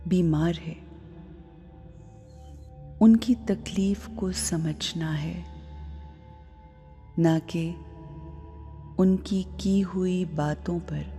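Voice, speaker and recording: A woman guiding a meditation in measured, deliberate phrases with pauses. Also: lowish voice, dark tone. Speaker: guided meditation guide. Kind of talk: slow guided meditation. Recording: long reverb, music underneath. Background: background music.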